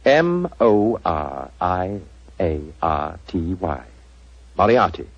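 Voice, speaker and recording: A man's voice: low-pitched, big pitch swings, slow pace, slightly rough, dry recording, exaggerated voice. An actor playing a suave, mocking male master criminal in a 1940s radio drama, with silky, polite menace. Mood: smug. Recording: dull old radio recording.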